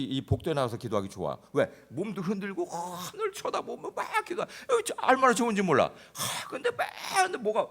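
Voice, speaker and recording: A man preaching a sermon as pastor, telling a comic story that swings between loud outbursts and hushed, intense passages. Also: mid-range voice. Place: church sanctuary.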